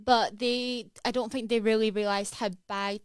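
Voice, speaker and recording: Scottish woman, 20s, radio guest, chatty and casual, clear resonant tone. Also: a little high, steady tone, moderate pace, no echo, clean studio sound. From Edinburgh, Scotland. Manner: chatty, many fillers like "like" and "um". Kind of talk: casual interview testimony. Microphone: studio microphone.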